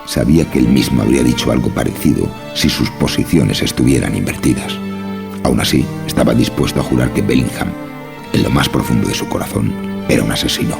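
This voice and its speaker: A man narrating a scripted horror story. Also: rumbling low. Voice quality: gravelly. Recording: music behind the voice.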